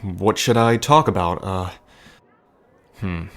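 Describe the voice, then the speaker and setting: A gentle bartender acted by a man with a slightly low voice. He is nervous and earnest, rambling softly and hesitantly as if speaking right to the listener in an audio drama. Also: slow pace, heavily acted. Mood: wry, chatty. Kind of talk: intimate audio drama acting addressed to listener.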